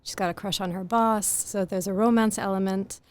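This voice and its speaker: Soft-spoken woman author, podcast guest, earnest and articulate, mid pitch. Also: steady tone, moderate pace. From grew up in Greece. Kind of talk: podcast interview.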